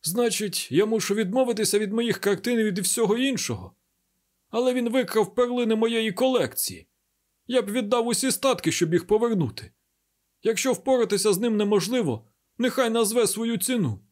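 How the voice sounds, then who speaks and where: Man doing a shrill frantic old baron. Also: animated, normal speed, a little mellow. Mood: pleading. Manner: shrill, wailing, desperate. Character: frantic wealthy old male baron collector.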